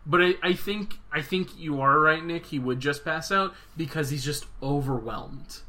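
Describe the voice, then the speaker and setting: Bright-voiced young man joking around. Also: a little high, normal speed. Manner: loose, swearing, joking. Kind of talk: casual podcast chat.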